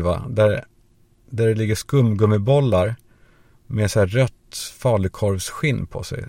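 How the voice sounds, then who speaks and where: A man's voice: fairly low pitch, warm tone, no room sound. A man hosting a podcast, telling a rambling, crude comic story as a monologue and acting out the voices of the people in it. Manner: rambling, crude anecdotal humor; acts out quoted voices. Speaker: podcast host.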